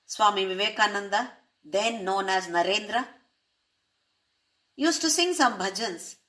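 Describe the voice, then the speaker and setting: A spiritual teacher explains a spiritual text at an unhurried pace, her medium-pitched voice fairly bright. She uses Sanskrit terms and poses rhetorical questions to her listeners.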